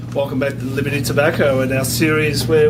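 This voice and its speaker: Someone with an Australian accent speaks over music in the background, with audible room echo. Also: man. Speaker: cigar shop staff. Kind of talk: casual chat.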